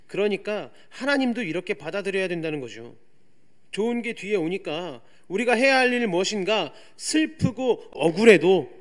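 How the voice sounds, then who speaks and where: A young man preaching a youth sermon in a church, chatty and explanatory, dropping to quiet asides and rising to loud emphatic points. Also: sits high. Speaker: youth pastor. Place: church sanctuary.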